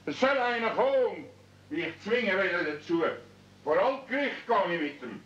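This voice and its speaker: An actor playing a stubborn, embittered old mountain recluse in a radio play, blunt and weighty, with a Swiss German accent. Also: male voice, high-pitched, animated, normal speed, a bit bright. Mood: indignant. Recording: dull 1970s radio-play recording.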